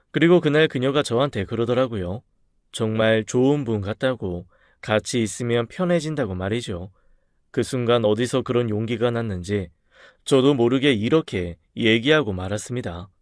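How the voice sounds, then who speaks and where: A man tells a first-person story in a steady, earnest, confiding voice at an ordinary middle pitch. The sound is close and dry, with no room echo around it.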